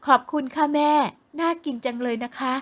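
A woman voicing a proud, stubborn plump teenage girl in an audio novel, speaking high and slow. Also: natural voice. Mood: sweet.

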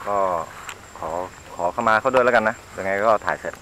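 Fast-talking low-voiced man in a noisy forest. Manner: quick, directing others. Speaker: vlogger giving the group its tasks. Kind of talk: casual instructions to companions. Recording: outdoor camera audio with loud insect noise. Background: crickets and insects.

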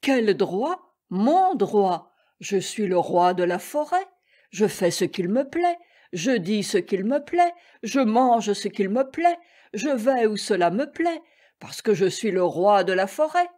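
A haughty lion king, as a woman acts him out, loud and blustering, quick to lose his temper. He booms his claims of power and shouts when crossed. A storybook reading. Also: sing-song. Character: proud male lion king, quick to rage.

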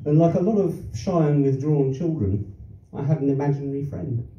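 A man's voice: on the high side, normal speed. An older man from London doing a stand-up routine on a small theatre stage, rambling through anecdotes with self-deprecating asides and chuckles. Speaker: stand-up comedian. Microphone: handheld mic, filmed from the audience. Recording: roomy, distant, dull audience recording.

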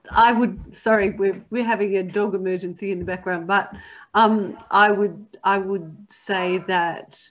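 Middle-aged woman on a call from home, even flat tone, earnest, kinda rambly. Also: on the low side, rough recording. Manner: earnest, self-correcting, rambling. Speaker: panelist. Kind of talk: panel discussion. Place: kitchen at home.

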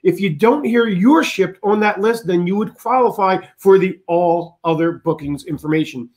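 Man with a high voice reading updates. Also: moderate pace. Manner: steady, methodical list-reading. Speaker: host of a cruise travel channel.

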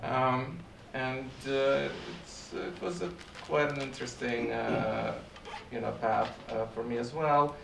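A middle-aged man from Ukraine speaks English with a Russian accent, pausing often on fillers as he talks on a panel. His voice is very gravelly. He is picked up from across an echoey seminar room. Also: mid-range voice, fairly even intonation, far from the mic, noisy background. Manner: halting, many fillers. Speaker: court interpreter and translator. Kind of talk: panel talk. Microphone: far camera.

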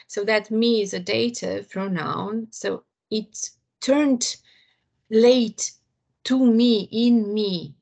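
Slow, creaky Romanian-accented woman lecturing. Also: mid-range voice, darkish tone. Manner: hesitant, many fillers and restarts. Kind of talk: online lecture to colleagues. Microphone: video call.

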